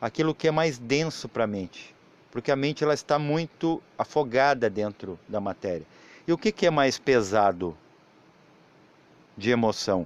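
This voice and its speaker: A man at medium pitch speaks fairly slowly with lively intonation and long, frequent pauses, recorded with a dry, close sound and no echo. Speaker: spiritual teacher. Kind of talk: spiritual talk.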